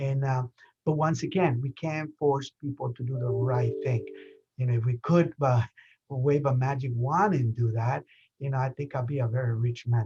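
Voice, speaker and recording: A man's somewhat breathy, dark, mellow voice at a moderate pace, dry and close with no echo. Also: medium pitch for a man, fairly even intonation. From Nicaragua. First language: Spanish. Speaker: physician. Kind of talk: press briefing remarks. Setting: video call. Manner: halting, many repetitions.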